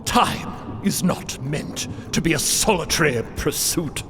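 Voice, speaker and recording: A man's voice: on the high side, takes it slowly, in a large hall, noisy background. A man voicing a pompous, blustering commander of timekeepers in a theatrical, grandiloquent audio drama style. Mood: stern, lofty. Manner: grandiloquent, theatrical, bellowing outbursts. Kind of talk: audio drama character acting.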